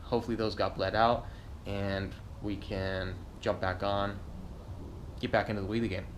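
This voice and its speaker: A man's voice: fairly low pitch, level tone, normal speed. A man giving a casual, slangy vlog update to his viewers. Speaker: motovlogger. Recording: faint background noise.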